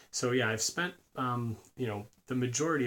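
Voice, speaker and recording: A man with a Connecticut accent speaks in monotone, flat intonation in a very clean recording with a silent background. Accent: American, Connecticut. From Connecticut, US. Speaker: vlogger. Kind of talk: casual vlog talk. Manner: hesitant, many fillers.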